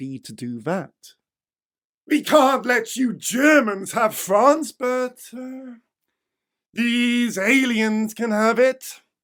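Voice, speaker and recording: This put-on character voice sits at a fairly high pitch. It moves at a very slow pace with long, frequent pauses. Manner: commanding, declaring.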